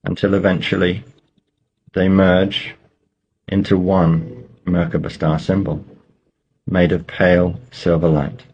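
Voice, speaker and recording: A man leading a guided meditation, giving slow, measured instructions with pauses between phrases. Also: low voice, little pitch movement, darkish tone, muffled recording, a little hiss or hum.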